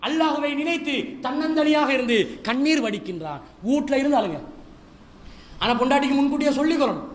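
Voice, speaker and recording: High-voiced Sri preacher. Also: male voice. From Sri Lanka. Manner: humorous, lively storytelling with mimicry and asides. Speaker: Islamic preacher. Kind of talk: Ramadan lecture series talk.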